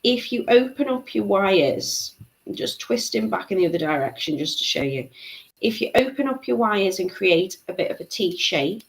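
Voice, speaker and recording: A woman's voice: medium pitch, expressive, normal speed, vocal fry, poor audio. A woman, giving a live craft tutorial, chatting and laughing as she reads out viewer comments. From Liverpool, England. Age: 30s. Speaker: beading tutor.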